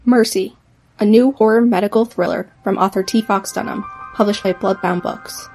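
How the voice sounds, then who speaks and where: A woman narrates a horror book trailer in a measured, promotional read. Her voice has a creaky edge. Faint music plays behind her. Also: mid-range voice, steady tone, darkish tone.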